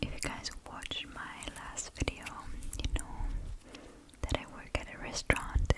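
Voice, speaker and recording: A woman whispers at a fairly slow rate, with noticeable noise behind her. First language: not English. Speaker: ASMR creator. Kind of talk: whisper ramble. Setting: home at night by candlelight. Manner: whispering; soft-spoken.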